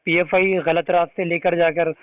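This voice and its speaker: A man's voice: on the high side, little pitch movement, normal speed, no echo. A man with a Hyderabadi accent on a phone call, pressing his questions insistently and accusingly, often cutting in. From India. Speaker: activist caller questioning a religious leader. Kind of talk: confrontational phone conversation. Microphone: phone call recording. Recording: tinny, narrow-band phone line.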